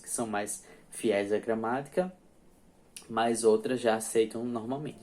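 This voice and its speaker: A young man explaining grammar in a loose, conversational lesson. He restarts his sentences often and keeps checking in with his students as he goes. His pitch sits in a middle range for a man. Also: a little mellow. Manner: chatty, many restarts and checks like "ok?" and "tá?". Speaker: English teacher. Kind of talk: casual spoken grammar lesson.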